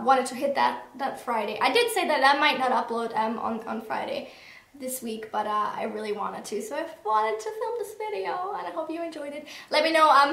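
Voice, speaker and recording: A young woman talking in a casual, rambling and expressive way as she reviews books for a vlog, with lots of gushing emphasis. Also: high voice, creaky. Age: young adult. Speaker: book reviewer, video host. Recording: roomy echo.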